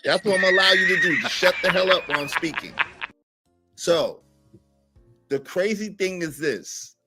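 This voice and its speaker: A man's voice: high voice, normal speed, music in the background. A man hosting a heated live-stream debate, combative and talking over others.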